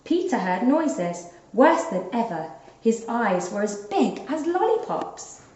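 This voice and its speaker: A woman narrating a children's story aloud in an expressive, deliberate storytelling manner, like a teacher. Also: on the high side. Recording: dull, roomy lo-fi recording.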